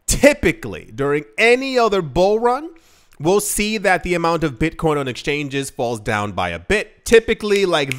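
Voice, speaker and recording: Male vlogger, high-pitched, earnest and rambly, filler-heavy casual delivery to camera. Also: a bit bright, smooth. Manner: rambling, many "like" fillers and restarts; earnest, emphatic, shifts pace often. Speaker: crypto investing vlogger.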